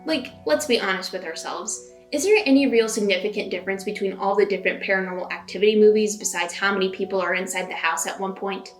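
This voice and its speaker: A woman's voice: medium pitch, fast, few pauses. A woman hosting and narrating a scripted video essay in a conversational way, leaning into dramatic emphasis. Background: background music.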